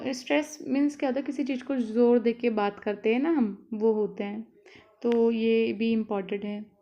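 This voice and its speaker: A woman's voice: a little high, gravelly, a little mellow, highs cut off. A woman tutor giving a casual exam-prep lesson, explaining in a chatty way with many fillers. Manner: explanatory, chatty, with frequent fillers and "theek hai". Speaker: online tutor.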